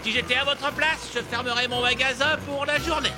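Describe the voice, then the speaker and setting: Casting: actress as bossy, cheerful young mechanic, cartoon, high brisk voice over loud music and clamour. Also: female voice, over a noisy crowd, lightly acted. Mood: confident, breezy. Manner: brisk, energetic, commanding. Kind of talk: French cartoon dubbing. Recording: loud music and busy outdoor clamour behind.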